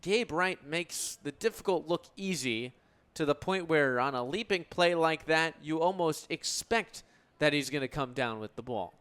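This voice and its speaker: A young American man works as a radio play-by-play broadcaster. His voice sits a little above average in pitch and is very clean and smooth. He describes the action in articulate, flowing calls. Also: lively intonation, moderate pace, few pauses, a bit bright. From United States. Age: 20s. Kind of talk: radio sports play-by-play commentary.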